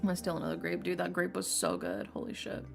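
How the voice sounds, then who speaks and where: Texan woman, low gravelly voice, music behind. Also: fast talker. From Texas. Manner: rambling, filler-heavy, swears casually. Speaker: streamer. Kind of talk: casual stream chat. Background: lofi music.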